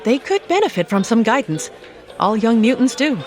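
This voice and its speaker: An actress playing a caring, composed superheroine mentor, concerned and reassuring, in an audio drama. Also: female voice, a little high, sing-song, moderate pace, darkish tone. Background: music.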